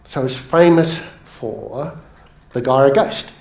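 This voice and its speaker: An Australian man giving an energetic, jokey motivational seminar talk, addressing the crowd. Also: medium pitch, slow. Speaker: motivational speaker. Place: large seminar room. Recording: echoey room.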